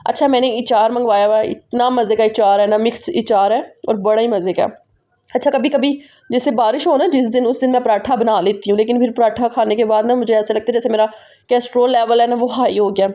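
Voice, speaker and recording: Pakistani lady doing a vlog voiceover, talks fast nonstop, kinda high but soft warm tone. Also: fairly even intonation. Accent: Pakistani Urdu. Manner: fast, run-on, talking straight to viewers. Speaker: vlogger. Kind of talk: casual chatty voice-over.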